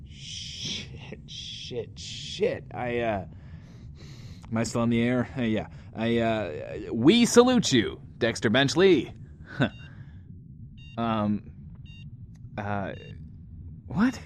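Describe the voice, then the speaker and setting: A man's voice: medium pitch, full character voice. A man playing a heartfelt, fumbling post-apocalyptic radio host in an audio drama, hesitant and stammering. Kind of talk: full-cast audio drama as radio show. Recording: loud background noise and ambience.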